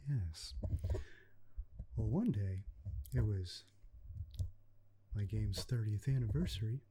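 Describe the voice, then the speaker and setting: A man playing an earnest, kindly video game repairman in a soft-spoken ASMR roleplay, gentle, folksy and unhurried, slipping toward a whisper, close to the microphone. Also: lowish voice, background noise. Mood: wistful storytelling.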